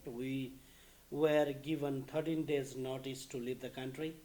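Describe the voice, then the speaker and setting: A man from Bhutan, recounting his past in an interview in a measured way, listing details between "uh" and "um.". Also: mid-range voice, fairly even intonation, mellow. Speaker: refugee interviewee. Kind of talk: recorded interview testimony.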